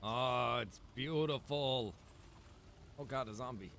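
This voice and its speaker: A man's voice: medium pitch, slow pace, a bit bright, slight background noise. A man chatting casually on a gaming stream in a rambling, casually profane way. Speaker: streamer playing a roleplay survival game.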